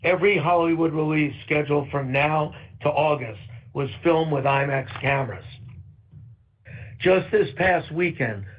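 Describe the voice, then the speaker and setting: Guy reading out quarterly results, steady and upbeat, muffled call audio. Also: fairly high pitch. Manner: steady, upbeat, read from a script. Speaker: company executive. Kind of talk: prepared earnings call remarks.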